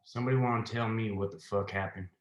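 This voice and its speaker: A man's voice: fairly low pitch, fairly even intonation, fast talker, reverberant, natural voice. A man playing an angry, commanding lawman boss from the 1920s in a screenplay table read. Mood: gruff, impatient. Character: angry, menacing, foul-mouthed male lawman boss in 1920s America.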